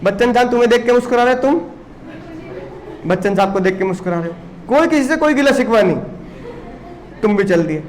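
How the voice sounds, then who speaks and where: High-pitched male teacher who makes a lively, story-driven classroom lecture. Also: fairly quick, pauses often, slight background noise. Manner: animated storytelling, teasing the students. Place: classroom with students.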